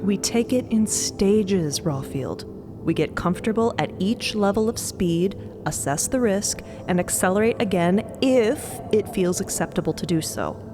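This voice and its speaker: A woman's voice: medium pitch, expressive, unhurried, music in the background, natural voice. A woman playing an eager, coaxing spaceship navigator in an audio drama, speaking casually and persuasively. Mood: coaxing, determined. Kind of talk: audio drama with shared narration.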